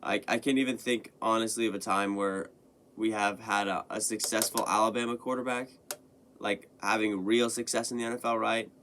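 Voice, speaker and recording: A young man with a lowish voice hosts a casual sports talk show. He sounds slightly hoarse from a recent illness. He rambles loosely, restarting sentences and leaning on filler words. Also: fairly even intonation, moderate pace, a bit bright, a little hiss or hum. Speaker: podcast host. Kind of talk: casual sports commentary monologue.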